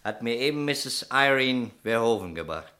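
A shrewd, insistent male detective in a crime radio play. His voice is forceful and middling in pitch, with very lively intonation. He probes with pointed, dryly persistent questions. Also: normal speed. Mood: businesslike. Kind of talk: German crime radio drama acting.

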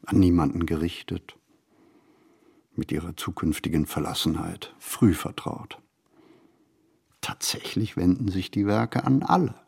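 An actor playing a reflective writer in a literary radio play, speaking his monologue in measured, deliberate phrases. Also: sits low, gravelly, a little mellow, husky, full character voice. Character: reflective male writer musing on writing and society. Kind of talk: literary radio play monologue, scripted first-person narration.

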